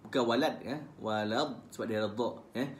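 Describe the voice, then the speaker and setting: A man with a Malaysian Malay accent teaching Quran recitation on a live stream. He chants verses slowly, then corrects pronunciation in quick, casual asides. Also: mid-range voice, roomy sound, a little hiss or hum. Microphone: phone live stream.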